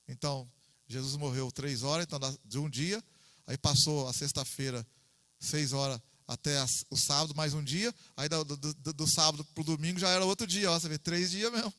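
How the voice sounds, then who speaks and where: High bright-voiced Brazilian preacher. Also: male voice, dry recording, long reverb tail. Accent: Brazilian Portuguese. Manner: conversational, repeats himself, asks the listeners for "amém". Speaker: preacher teaching a Bible study. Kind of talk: informal sermon teaching.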